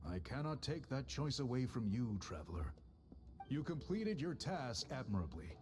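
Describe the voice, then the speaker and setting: A man voices a dignified tribal leader from a video game. His mid-pitched voice is formal and deliberate, yet moves expressively with earnest courtesy. Music plays clearly behind him. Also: sing-song, a little mellow, natural voice. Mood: earnest, gracious. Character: dignified, thoughtful male tribal chief, courteous and measured.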